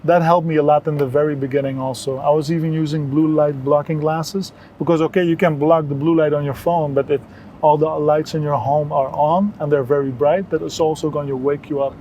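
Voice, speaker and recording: Higher-voiced mellow man from Belgium, explaining earnestly. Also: fairly even intonation, a little fast, muffled recording, a little hiss or hum. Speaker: interview guest, wellness entrepreneur. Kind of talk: conversational health advice.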